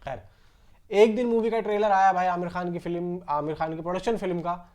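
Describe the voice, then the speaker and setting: High-pitched man explaining movie news. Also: steady tone, fairly quick, a little mellow. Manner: conversational, rambling, addresses viewers as bro. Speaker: film news YouTuber.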